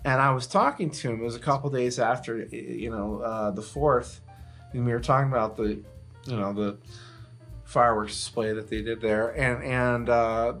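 A man's voice: mid-range voice, steady tone, normal speed, a bit bright, soft background music. A man telling stories in casual comedic podcast chat, swearing freely and grumbling with animation. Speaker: podcast co-host.

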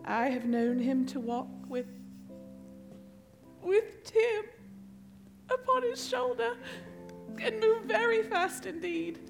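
A woman plays a gentle grieving mother in a stage radio drama. Her voice is very high and slow, careful and tender, over clearly audible music. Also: lively intonation, exaggerated voice. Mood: tender sorrow. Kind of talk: theatrical radio play acting. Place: theatre stage, live before an audience. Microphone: shared stage microphone.

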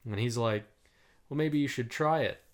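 A man co-hosting a podcast in casual chat, rambling with a calm, soothing voice, swearing and saying "like" a lot. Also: mid-range voice, normal speed. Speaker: podcast co-host.

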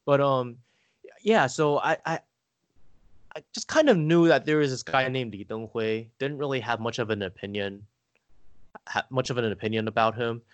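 A man's voice: medium pitch, normal speed, clear, resonant tone, dry recording. American guy rambling along, tons of "like", dry dead room sound. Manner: rambling, hesitant, frequent filler "like". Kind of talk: casual conversation.

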